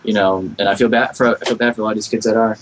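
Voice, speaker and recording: A man's voice: on the low side, level tone, rapid-fire, a little hiss or hum, rough recording. A young adult man with a General American accent, chatting casually in an earnest, rambling way as a podcast guest. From Florida, United States. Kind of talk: casual chat.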